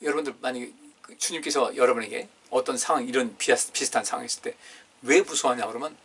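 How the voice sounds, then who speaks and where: A man's voice: medium pitch, fast, fairly bright tone, husky. A man pastor preaching a Friday prayer meeting sermon in a conversational way, reading scripture aloud and asking the congregation questions. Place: church. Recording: distant, room-miked sermon recording.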